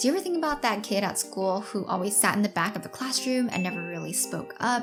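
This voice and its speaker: Fairly quick female speech over background music. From Taiwanese-American. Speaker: product manager and YouTuber, leadership coach. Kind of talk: casual talk to camera, public speaking tips.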